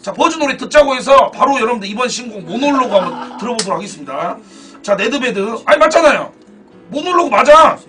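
A man streaming a football game and chatting casually with viewers, excitable, with loud outbursts and frequent swearing. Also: extremely high pitch, quick pace. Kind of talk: casual live-stream commentary. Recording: distant mic with game music behind.

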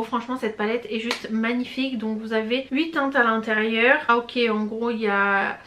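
A woman's voice: a little high, a bit bright. A young woman chatting casually to camera as a beauty vlogger, gushing about products with lots of hesitations and slang. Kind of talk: casual product review chat.

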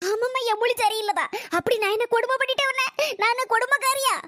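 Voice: very high-pitched, steady tone, fast talker, bright, forceful tone, no echo, studio quality. A performer playing a grumbling, self-pitying old mother-in-law who nags with sarcastic complaints, in a family quarrel skit. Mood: bitter self-pity.

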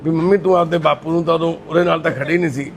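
A man's voice: on the high side, steady tone, rapid-fire. A man working as a charity volunteer, talking in a consoling, brotherly and firm way. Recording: loud background noise.

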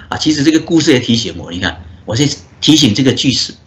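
A man, a Buddhist monk, giving a dharma talk as a story, with drawn-out filler particles and frequent chuckles. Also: mid-range voice, big pitch swings, fairly bright tone.

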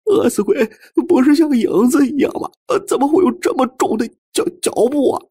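A man's voice: brisk, warm tone, breathy edge, heavily acted. A man voicing a cowardly young policeman who stammers tearfully, crying as he speaks. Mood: terrified, tearful. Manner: stammering, tearful, high shrill wail.

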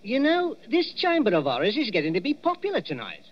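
A man's voice: sits high, huge pitch swings, a little fast, heavily acted. An actor playing a chatty, jovial male night watchman in a 1940s radio drama, heard on a dull old recording. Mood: chummy. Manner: chummy, chuckling, calls people 'Governor'.

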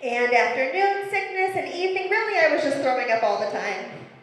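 Holding a handheld mic on a club stage, a woman in her thirties performs stand-up, telling self-mocking stories in a deadpan style. Her voice is high and a little fast, and the room adds long, echoey reverb.

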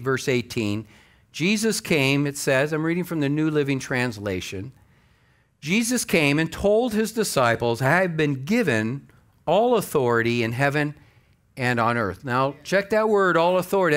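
An older American man preaches as a pastor. His voice sits a little high and swings widely in pitch. He talks conversationally and leans hard on key words. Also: fairly bright tone. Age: older, about 60. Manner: conversational, emphatic, acts out imagined objections. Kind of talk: sermon with scripture reading. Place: church stage at a lectern.

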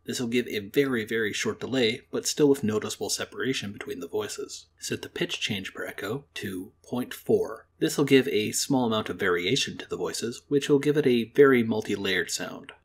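Young man explaining software steps. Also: fairly low pitch, moderate pace, few pauses, husky. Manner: friendly, explanatory. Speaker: library program host. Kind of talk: software tutorial. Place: home kitchen-living room, indoors.

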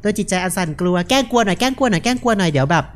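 A young man gives casual, joking horror game commentary, relaxed and unafraid, speaking into a headset mic. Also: sits high, racing. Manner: laid-back, joking, unafraid. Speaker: gaming video host.

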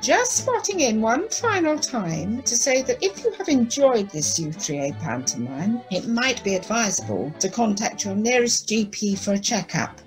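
A woman's voice: on the high side, big pitch swings, normal speed, hardly any pauses, faint music behind, low-quality recording. A woman playing a droll, tongue-in-cheek announcer in a comic pantomime. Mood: mock-helpful.

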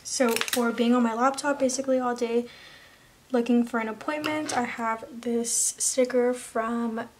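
A young woman narrates her planner at an unhurried, drawn-out pace, her voice sitting a little high. She chats in a loose, casual way. The recording carries clear background noise. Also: fairly even intonation. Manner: chatty, slips into soft whispers at times. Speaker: planner vlogger.

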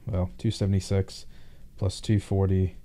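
A man tutoring informally through a worked math problem, thinking aloud in a halting way. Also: low-pitched, flat delivery, mellow.

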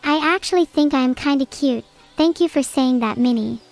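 A synthetic female AI voice, chatting casually as a stream co-host with dry, deadpan quips. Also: high-pitched, normal speed, soft background music. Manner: deadpan, matter-of-fact quips. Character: female AI vtuber, dry and teasing.

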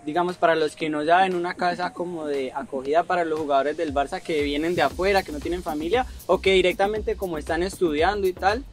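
A man's voice: fairly high pitch, fairly even intonation, fast, hardly any pauses. A Colombian man in his twenties interviewing a guest on an outdoor park bench, asking long, rambling, teasing questions. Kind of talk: casual sit-down interview.

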